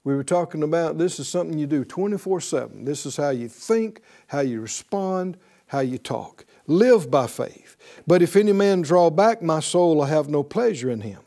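A man's voice: on the high side, expressive, normal speed, warm tone. A man preaching a sermon as pastor, exhorting his congregation with call-and-response and repeating phrases for emphasis.

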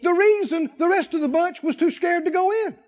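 High-voiced preacher, folksy. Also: male voice, brisk, a little mellow, muffled recording. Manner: call-and-response, folksy storytelling. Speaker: pastor. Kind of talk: sermon. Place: church.

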